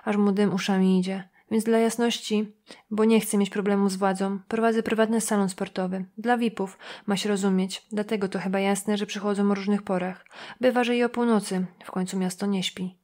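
A woman voicing a brash, sharp-tongued woman around thirty who talks in a cocky, mocking way. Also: mid-range voice, little pitch movement, a little fast, lightly acted.

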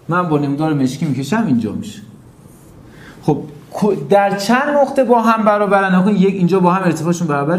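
Math teacher, male, mixed Mashhadi accent, slightly high voice, step-by-step explaining, echoey room. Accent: mixed Mashhadi Persian. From North Khorasan, Iran. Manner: explains step by step, counting points aloud. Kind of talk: online math lesson. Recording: roomy echo.

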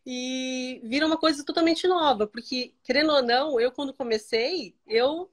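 A woman's voice: sits high, moderate pace. A woman from Brazil, a guest influencer, telling stories in casual chat over a video call from her bedroom. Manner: chatty, storytelling, many fillers. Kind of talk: casual live-stream chat. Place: bedroom at home. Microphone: home video call.

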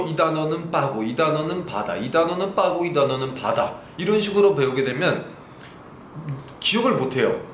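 A male Chinese teacher whose first language is Korean, giving a slow pronunciation lesson and repeating sample syllables several times each. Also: fairly high pitch. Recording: echoey room with faint background noise.

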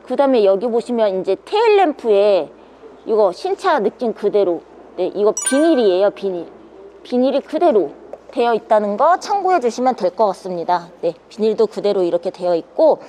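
A woman's voice: medium pitch, very animated, normal speed, warm tone, rough recording. A young woman presenting a used vehicle in an upbeat, polished salesperson's patter. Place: indoor parking garage, later inside truck cab. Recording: background noise in parking garage.

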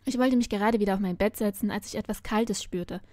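Woman reader, expressive first-person narration, mellow dry voice. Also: mid-range voice, quick pace, dry recording. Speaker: story reader. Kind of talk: reading a novel aloud.

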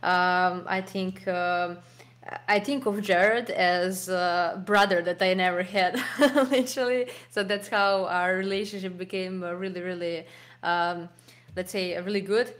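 A woman's voice: fairly low pitch, fairly even intonation, a little slow, a bit bright. A young woman with a Serbian accent, a poker pro answering interview questions over a video call, with many fillers and restarts. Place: home room, video call. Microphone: desk mic, webcam framing.

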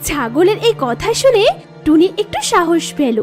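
A woman's voice: very high voice, big pitch swings, normal speed, faint music behind. A woman narrator reading a scripted children's cartoon story.

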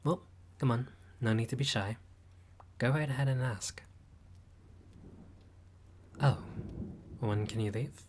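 A man's voice: mid-range voice, slow, long pauses, slight background noise, natural voice. A man voicing a friendly, caring male vampire lord who talks politely and eagerly, sometimes flustered, in an audio roleplay. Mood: gentle. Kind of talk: audio roleplay monologue to the listener.

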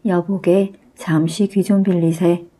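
A woman's voice: on the low side, level tone, takes it slowly, dark tone, husky. A woman voicing a village man who gives old-fashioned, confiding advice in a storybook tale. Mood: stern, confiding. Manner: old-fashioned advising speech, whispering. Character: village man, calm advising elder neighbor.

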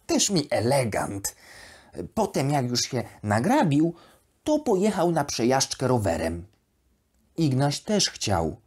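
A narrator voicing a naive, chatty, elegant female plush duck reading from her diary in a children's bedtime audiobook, with expressive, wondering, childlike asides. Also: mid-range voice, slightly rough, full character voice.

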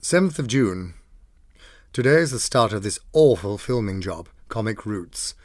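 A man's voice: fairly low pitch, animated, unhurried, dry recording. A man with a British accent giving a scripted, dramatic reading of diary entries. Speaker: diary reader. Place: dry studio.

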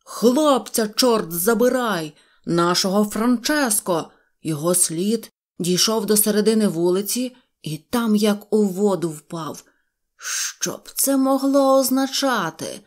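A woman's voice: medium pitch, expressive. A woman voicing a barking, suspicious toy general. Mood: alarmed. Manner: barking commands, slow and emphatic.

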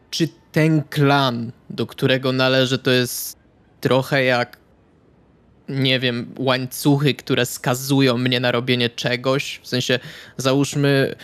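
Even-toned man in roleplay chat. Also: mid-range voice. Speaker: tabletop RPG player. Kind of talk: casual in-character game chat.

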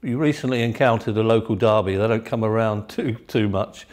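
A man's voice: lowish voice, brisk, darkish tone. A man interviewing a footballer for the club, putting his questions in a friendly, conversational way.

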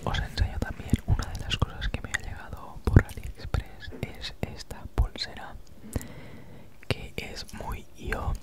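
A woman in her thirties with an accent from Spain chats casually in breathy, unvoiced ASMR whispers, very close to the mic, right in your ear, with a noticeable S sound. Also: measured pace. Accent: Spanish from Spain. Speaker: ASMR creator. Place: small home room, indoors. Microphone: handheld recorder with foam windscreen, very close.

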